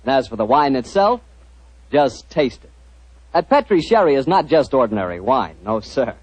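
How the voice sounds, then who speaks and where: A man working as a radio announcer and host, with a smooth, persuasive pitchman manner, in 1940s style. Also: sing-song, normal speed, a little mellow. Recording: muffled old radio broadcast.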